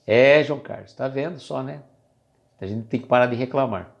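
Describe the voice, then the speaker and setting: This Brazilian Portuguese-accented man talks to his live-stream audience in a relaxed spiritual musing, moving at a moderate pace. His mid-range voice is gravelly with the highs cut off, and his chatty delivery sometimes wanders off track.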